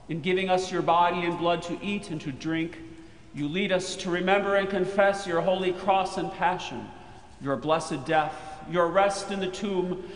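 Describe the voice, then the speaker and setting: A man leading a communion liturgy as pastor, solemnly intoning in a measured, chant-like way in a chapel with cathedral echo. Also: high voice. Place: large chapel, indoors. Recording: cathedral-like echo, long chapel reverb, faint noise.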